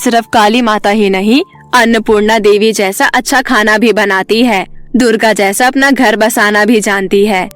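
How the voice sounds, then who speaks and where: A woman's voice: medium pitch, steady tone, moderate pace, soft background music, lightly acted. A woman voicing a nosy, mocking older neighbor woman in a cartoon story. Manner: taunting, loud, gossipy.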